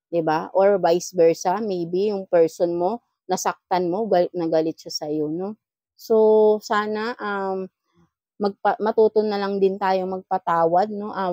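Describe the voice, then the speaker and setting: A woman's voice: lowish voice, warm tone, dry recording. A woman giving a casual tarot reading, chatty and advising, often ending phrases with little questioning tags. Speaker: tarot reader.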